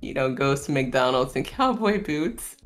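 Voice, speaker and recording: Southern lady streamer, low voice, chill chatty, lots of likes and ums, faint music under. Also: lively intonation, measured pace. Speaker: VTuber streamer host. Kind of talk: casual chat.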